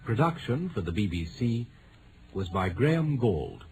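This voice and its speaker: Deepish British male radio announcer. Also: big pitch swings, measured pace, darkish tone. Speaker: continuity announcer. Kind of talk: formal radio credits announcement. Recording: vintage radio broadcast with faint noise.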